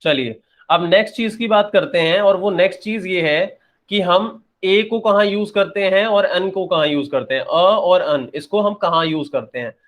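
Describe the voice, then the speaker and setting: A man's voice: sits high, normal speed, fairly bright tone. A young man teaching an English grammar lesson, repeating points and answering his own questions. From India. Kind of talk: classroom-style lesson, explaining and checking.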